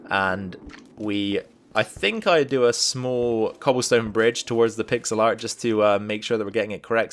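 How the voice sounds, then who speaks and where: A man's voice: lowish voice, fairly bright tone. A man giving casual gameplay commentary as a let's play host, thinking aloud and explaining each step as he goes.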